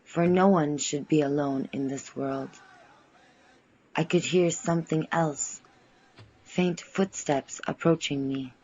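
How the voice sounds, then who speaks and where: A man voicing a curious, gentle young woman who narrates an audio drama in measured, formal phrases. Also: on the high side, fairly even intonation, highs cut off. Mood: reflective. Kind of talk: first-person audio drama storytelling.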